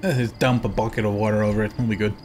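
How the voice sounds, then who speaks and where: Man, Swedish native speaker, lowish voice, easygoing, joking, faint background noise. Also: little pitch movement, racing, a little mellow. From Sweden. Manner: easygoing, dry jokes, laughs often. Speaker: co-op player. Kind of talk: casual co-op gameplay chat.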